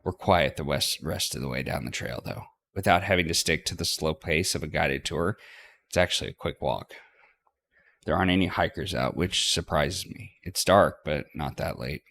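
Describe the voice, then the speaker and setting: A man's voice: very deep voice, moderate pace, creaky, a bit bright, slight background noise. A man hosting a let's play, reading visual novel narration aloud and now and then stumbling over words.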